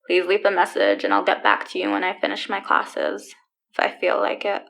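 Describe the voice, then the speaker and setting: A woman acts a young pet shop keeper in a comic audio drama. The voice is middling in pitch and extremely creaky, drawling along with deadpan indifference. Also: normal speed. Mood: bored.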